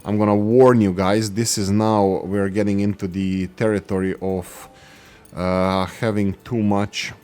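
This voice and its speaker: A man's voice: on the low side, darkish tone. A man hosting a gaming channel, giving gameplay commentary and thinking aloud as he works through production numbers.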